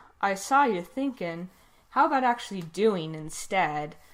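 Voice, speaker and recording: A female-sounding voice puts on a gruff character voice at a middle pitch. The pace is moderate. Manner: teasing, wry.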